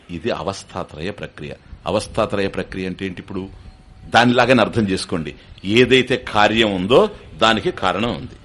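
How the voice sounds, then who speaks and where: An older man gives a spiritual discourse, his pitch swinging widely from phrase to phrase. His tone is bright and forceful. He explains patiently and keeps checking with his listeners through questions. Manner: explanatory, asks the audience questions, mixes in English terms. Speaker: spiritual teacher. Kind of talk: Vedanta discourse to an audience.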